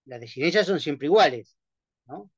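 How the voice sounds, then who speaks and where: A male lecturer with a slightly high voice teaches a class, explaining step by step and checking in with the students constantly. The recording is dull and lo-fi, with a dry sound and no room echo. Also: animated, moderate pace, husky. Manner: explanatory, checks in with frequent "¿sí?" and "¿no?" tags. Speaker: university lecturer.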